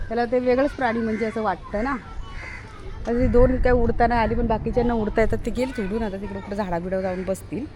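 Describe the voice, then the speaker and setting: Woman, high voice, casual home vlogger, chatty, sing-song coaxing, rooftop terrace. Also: steady tone, fairly quick, crowd noise, low-quality recording.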